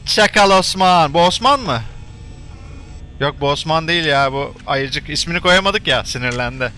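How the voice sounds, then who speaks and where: A man talking through a horror game he is playing, joking to himself and yelling when scared. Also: fairly high pitch, expressive, normal speed. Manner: chatty, jokey, shouts and curses when startled. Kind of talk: let's play commentary.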